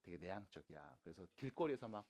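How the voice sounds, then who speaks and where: A man teaching math to high school students in a classroom, casual and teasing, switching between polite and plain speech. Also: expressive, quick pace, warm tone. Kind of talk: classroom lecture.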